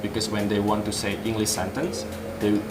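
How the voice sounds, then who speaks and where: A low-voiced young man with an Indonesian accent explains grammar patiently, posing questions and then answering them. He talks into a stand mic on an outdoor patio, with an echoey sound and clear music underneath. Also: monotone, normal speed. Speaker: English teacher. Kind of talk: explaining in a casual interview. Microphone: studio mic on a stand.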